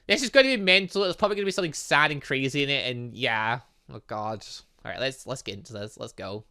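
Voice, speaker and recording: A man's voice: on the high side, sharp tone. A man hosting a gaming channel, giving let's play commentary on a visual novel with dramatic, exclaiming reactions.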